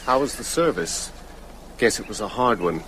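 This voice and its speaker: An actor playing a plain-spoken, folksy small-town gravedigger with a husky voice in a radio drama. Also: male voice, lowish voice, lively intonation, moderate pace, fairly bright tone, slight background noise. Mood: matter-of-fact.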